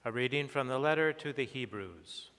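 A middle-aged man, a Catholic priest, reciting prayers and scripture in a solemn, measured, formal way in a large church with a long cathedral echo. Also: medium pitch, animated, a bit bright. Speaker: Catholic priest celebrating Mass. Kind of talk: liturgical prayer and scripture reading. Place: large church sanctuary, at altar and lectern. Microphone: fixed church microphone on lectern or altar.

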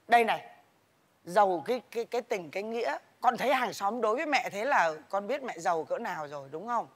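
A woman playing a tender mother who talks haltingly and from the heart in a stage comedy sketch. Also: on the high side. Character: poor, tender mother hiding her hardship.

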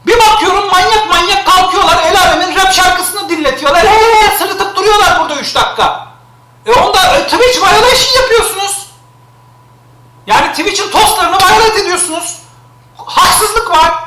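A man's voice: very high voice, normal speed, pauses often, roomy sound, very noisy. A man streaming live, complaining in an exasperated way and repeating himself.

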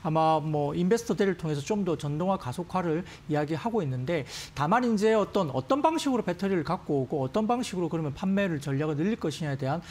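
A man in his thirties talks fast as a stock analyst on a finance broadcast, his voice a little high, packed with fillers as he reasons aloud. Recorded on a lapel mic in a TV studio. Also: lively intonation, darkish tone. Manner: rapid analytical talk with many fillers. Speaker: stock market analyst guest. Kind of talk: market commentary on TV finance show. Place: TV news studio.

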